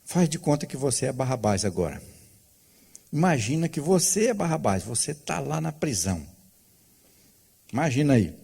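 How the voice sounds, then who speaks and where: A man's voice: medium pitch, very animated, normal speed, gravelly, pauses often, mellow, slightly rough. A male pastor preaching a sermon, telling a story with rhetorical questions to the congregation.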